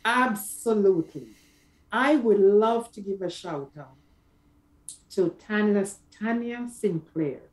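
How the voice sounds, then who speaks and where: Measured, emphatic middle-aged woman giving advice. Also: medium pitch. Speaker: career coach guest. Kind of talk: conversational advice in an interview. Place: small office, indoors. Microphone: video call.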